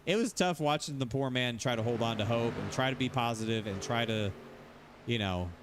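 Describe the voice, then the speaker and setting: A man's voice: mid-range voice, fairly quick, background noise. A man streaming sim racing, ranting casually, rambling and repeating himself, swearing freely. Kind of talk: casual livestream rant.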